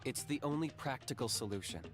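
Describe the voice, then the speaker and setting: An actor playing a stoic, practical young tribal hunter in a video game, measured and matter-of-fact. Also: male voice, medium pitch, animated, lightly acted. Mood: dry. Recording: game music behind the voice.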